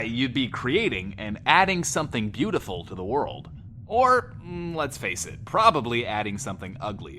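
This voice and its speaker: A man's voice: medium pitch, pushed and bright, slight background noise. A man playing a brash, wry, theatrical post-apocalyptic radio show host in an audio drama. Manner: theatrical, sardonic.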